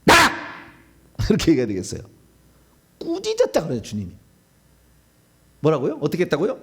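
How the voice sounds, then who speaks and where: A middle-aged male pastor giving a sermon, preaching animatedly and acting out demons' pleas and shouted commands. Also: a little high, huge pitch swings, fast talker, vocal fry, husky.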